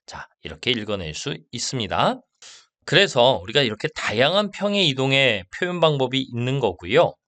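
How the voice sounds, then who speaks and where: Male math lecturer, animated intonation, dry close sound, stresses terms slowly, checks understanding. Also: medium pitch, no room sound. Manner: slow and stressed on key terms, asks checking questions. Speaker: math teacher.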